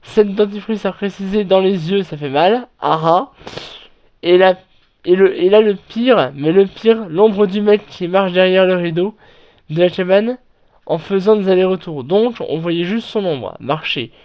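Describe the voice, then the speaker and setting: A man reading internet horror stories aloud and then commenting on them, in a halting way with frequent restarts and self-corrections. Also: sits high. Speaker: online horror story narrator. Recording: dull lo-fi recording.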